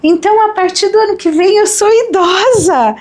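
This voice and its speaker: A woman in her fifties hosting a Christian talk show, reflective and animated, often ending thoughts with a tag question. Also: very high voice, normal speed. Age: 50s. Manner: animated, reflective, many "né?" tags. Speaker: host. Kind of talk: Christian conversation podcast.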